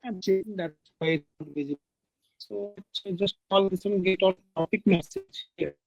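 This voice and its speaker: A man's voice: sits high, dry recording. Man on a choppy, breaking-up call. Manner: halting, thinking aloud while checking code. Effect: choppy audio breaking up, words cut off. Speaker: software developer. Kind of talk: work meeting on a video call. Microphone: computer mic on a video call. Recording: dull lo-fi internet call.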